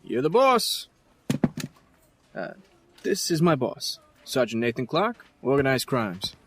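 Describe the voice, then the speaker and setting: A laid-back rambling cop, medium pitch, jokey, audio drama. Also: male voice, big pitch swings, slow. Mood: sheepish, chatty. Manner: rambling, casual, joking. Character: easygoing, chatty, apologetic male police detective. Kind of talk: full-cast audio drama acting.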